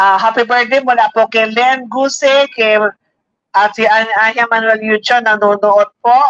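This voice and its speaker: The sound is dry and close, with no echo. A woman speaks at a very slow pace with fairly even intonation. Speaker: radio host. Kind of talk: casual chat. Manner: halting.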